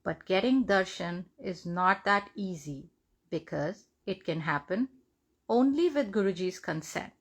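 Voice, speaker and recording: A woman reads a devotional testimony aloud in measured, deliberate phrases. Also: on the low side, animated. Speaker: devotional reader.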